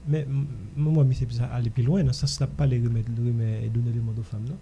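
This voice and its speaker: A man's voice: medium pitch, fairly even intonation, fast, vocal fry, warm tone, muffled recording, a little hiss or hum. A man with a Haitian accent talking casually as host of a radio discussion.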